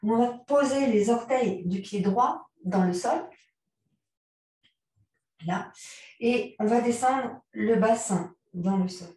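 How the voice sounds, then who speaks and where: A woman guiding a yoga class, giving calm, unhurried cues timed to the breath. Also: on the high side. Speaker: yoga teacher. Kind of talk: guided yoga class instruction. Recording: very echoey room, mic far off.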